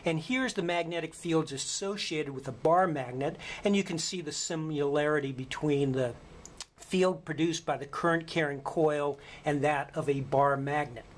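A middle-aged man narrating an instructional demonstration as a lecturer, in a measured, explanatory way. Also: fairly high pitch. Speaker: physics lecturer. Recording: faint background noise.

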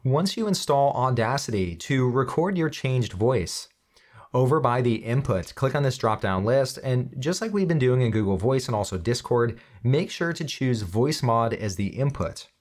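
A man in his thirties presents a step-by-step tutorial with a medium-pitched voice. He addresses the viewer directly and explains each action in an instructional way, close on the microphone. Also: expressive, normal speed, a little mellow. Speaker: tutorial host.

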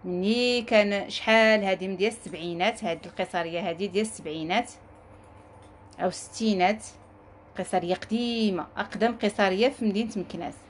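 A woman with a Moroccan accent giving a live sales pitch from her jewelry shop, coaxing viewers and repeating herself as she talks to her staff. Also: fast, slight background noise. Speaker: jewelry seller.

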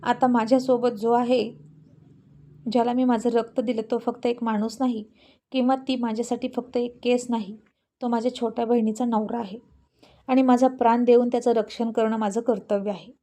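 A woman's voice: on the high side, flat delivery, normal speed, warm tone, lightly acted. A woman reading as a stern police husband. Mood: earnest. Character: stern male police officer, husband, curt.

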